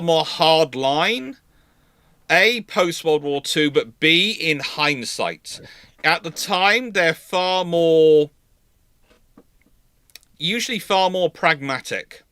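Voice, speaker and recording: A man's voice: fairly high pitch, sharp tone, no echo, clean studio sound. A man hosting an informal live history discussion, often restarting and correcting himself and repeating points for emphasis. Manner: hesitant, self-correcting, emphatic repetition.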